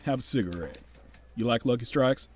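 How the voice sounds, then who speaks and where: A man plays a fatherly older US Army officer in a wartime radio play. His voice sits at an ordinary medium pitch. He is genial and folksy, yet carries probing, commanding authority. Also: expressive, a little fast, slight background noise, natural voice. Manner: folksy, commanding, addresses juniors paternally. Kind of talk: audio drama acting.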